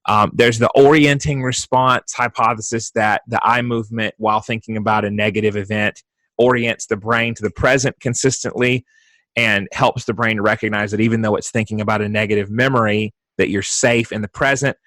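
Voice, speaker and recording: A man's voice: on the low side, steady tone, a little fast, fairly bright tone, no echo. A man hosting a podcast as a therapist, asking questions eagerly and explaining ideas in a casual, affirming way. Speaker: podcast host, EMDR therapist.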